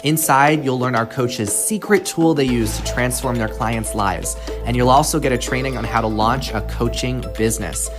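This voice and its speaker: A man's voice: medium pitch, moderate pace, hardly any pauses, music in the background. A man hosting a podcast, teaching in an instructive, emphatic way and repeating key phrases. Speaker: podcast host and coaching academy founder.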